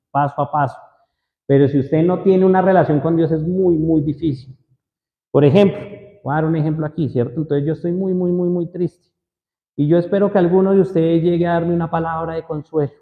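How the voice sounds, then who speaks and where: Man preaching in an echoey hall. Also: a little high. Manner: asks the audience frequent questions. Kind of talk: sermon to a congregation. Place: church hall. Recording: roomy hall echo, dull lo-fi sound.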